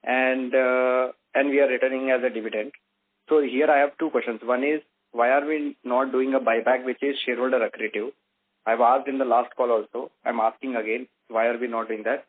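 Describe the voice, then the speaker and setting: Pressing investor on a phone line. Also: male voice, mid-range voice, fairly even intonation, brisk. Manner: pressing, direct questioning. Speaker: investor asking questions on a call. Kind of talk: earnings call questions.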